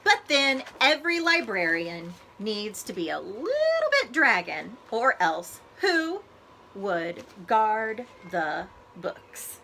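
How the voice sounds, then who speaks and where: Female storybook reader, librarian type; bright, expressive, animated delivery, some noise behind her. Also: mid-range voice, gravelly. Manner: expressive, deliberate phrasing for children. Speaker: school librarian reading aloud to students. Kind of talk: animated children's storybook read-aloud.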